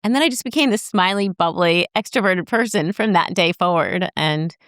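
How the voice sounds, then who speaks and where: Low-voiced woman, animated storyteller. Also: normal speed, no echo, clean studio sound. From United States. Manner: animated, acts out voices in her anecdotes. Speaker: podcast guest. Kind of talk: casual storytelling chat.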